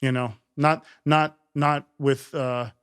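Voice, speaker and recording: A man's voice: medium pitch, steady tone, takes it slowly, a bit bright, smooth. A man hosting a casual podcast conversation who speaks earnestly, often hesitates with fillers, and answers with short affirmations. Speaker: podcast host.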